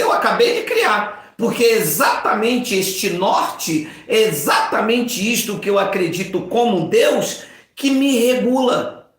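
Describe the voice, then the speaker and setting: Man, 50s, pastor; animated informal sermon, acts out bits; very echoey room. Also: high voice. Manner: animated, acts out voices and jokes.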